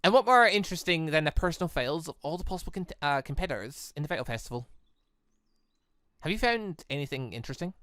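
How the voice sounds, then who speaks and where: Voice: mid-range voice, expressive, quick pace, fairly bright tone, no room sound, close to an everyday voice. A game commentator voicing a sly, composed, bookish woman who schemes. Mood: smug.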